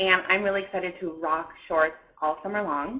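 Against a quiet background, a woman speaks. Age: 20s. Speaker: video blogger. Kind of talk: casual vlog monologue. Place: home room. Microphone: webcam.

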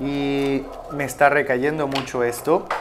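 A man's fairly high voice comes through in a flat monotone, with noticeable noise behind him. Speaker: tarot reader. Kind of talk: tarot reading. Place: home room. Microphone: phone near.

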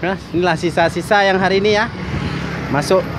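At a fairly quick pace, a man speaks over noticeable background noise. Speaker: fruit distributor promoting stock. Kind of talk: street-seller style product promo video, pointing at fruit stock. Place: market. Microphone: phone near.

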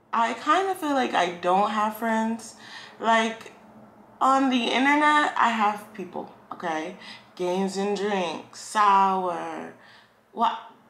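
A woman speaks at a very slow pace with long, frequent pauses and big swings in loudness, and the room echo is audible. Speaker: vlogger. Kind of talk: casual vlog chat. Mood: chatty, reflective. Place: home room. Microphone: phone near.

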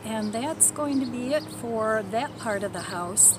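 Loud background noise surrounds this recording. A woman speaks at a very slow pace. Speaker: home gardening vlogger. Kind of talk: casual vlog chat. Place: garden. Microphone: phone near.

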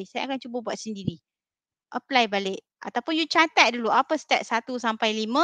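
Against a quiet background with a dry, close sound and no echo, a woman talks very fast in a high, bright, sharp voice with lively intonation. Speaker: lecturer. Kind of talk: online class lecture.

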